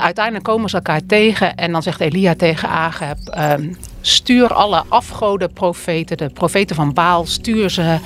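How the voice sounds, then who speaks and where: A woman retelling and reading a Bible story in a plain, unhurried way, with small hesitations. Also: fairly low pitch.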